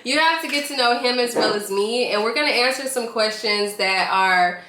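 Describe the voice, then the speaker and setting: A giggly young woman from the chats through a laid-back Q&A, her voice high and very bright. Her words carry a roomy echo, with a faint hiss underneath. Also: moderate pace. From Nashville, Tennessee, USA. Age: 20s. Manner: giggly, laughs often, eats while talking. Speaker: YouTube channel host. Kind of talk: casual couple Q&A chat. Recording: echoey room with faint noise.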